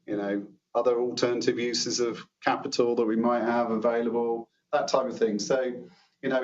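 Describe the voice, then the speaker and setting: A man answering analysts as a company executive on an earnings call, in measured, careful business talk. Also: medium pitch. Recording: dull, roomy conference call, distant mic.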